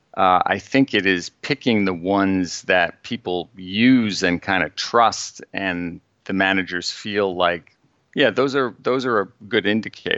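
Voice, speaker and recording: This is a man with a normal speaking voice and an American accent. His pitch sits fairly low, with ordinary variation. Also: fairly slow pace. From US East Coast, Boston area. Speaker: software company executive. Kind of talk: interview conversation.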